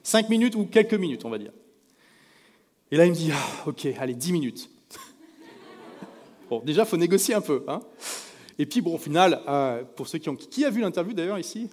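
A man from France speaking to a live audience from a stage, telling anecdotes in a lively way and acting out the people he quotes. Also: high voice, a little fast. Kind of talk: storytelling talk to a live audience. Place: stage in a large event hall. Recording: echoey hall reverb.

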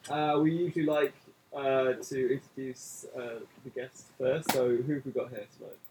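A man hosting a radio show, chatting with guests in an easygoing way and pausing on fillers. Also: medium pitch, fairly even intonation, noisy background. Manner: easygoing, hesitant with many fillers. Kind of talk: casual radio interview.

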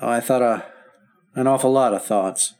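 A man's voice: mid-range voice, a little mellow, natural voice. A man playing a wry, stubborn patient. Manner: wry, joking, halting when upset. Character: recovering husband, wry and stubborn. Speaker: hospital patient. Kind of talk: 1950s radio acting.

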